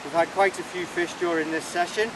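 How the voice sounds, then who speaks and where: Welsh man teaching by a rushing river. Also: high voice, distant mic. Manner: relaxed, explanatory, step-by-step. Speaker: fly fishing guide and instructor. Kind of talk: outdoor instructional explanation. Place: outdoors beside a rushing river. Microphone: camera mic, close framing. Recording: loud river noise behind voice. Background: rushing river water.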